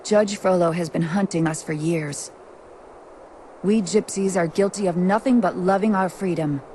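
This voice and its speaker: Woman acting defiant young gypsy woman, game cutscene, lowish voice, composed, frank, noisy background. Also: normal speed, dark tone, close to an everyday voice. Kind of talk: video game cutscene dialogue. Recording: game audio with clear background noise.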